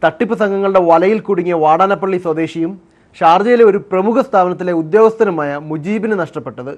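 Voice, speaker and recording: High-pitched man narrating a news report. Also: brisk. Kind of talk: scripted investigative news narration.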